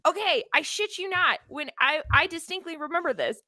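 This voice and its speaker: Young female podcast co-host, blunt, playful teaser with a bright, animated voice. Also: very high-pitched, fairly quick, dry recording, clean studio sound. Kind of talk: casual chat.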